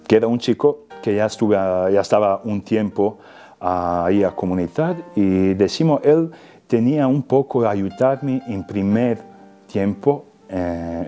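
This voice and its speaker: A young Serbian man with a Serbian accent, speaking Spanish as a second language and giving a halting personal testimony full of repeated words. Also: sits low, mellow. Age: young adult. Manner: halting, repeats words, non-native grammar. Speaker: testimony giver.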